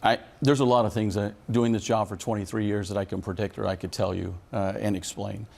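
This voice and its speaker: A man's voice: fairly low pitch, fairly even intonation, a little fast, creaky, darkish tone. A middle-aged American man answering news interview questions as a union leader, speaking earnestly and emphatically. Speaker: union leader representing air traffic controllers.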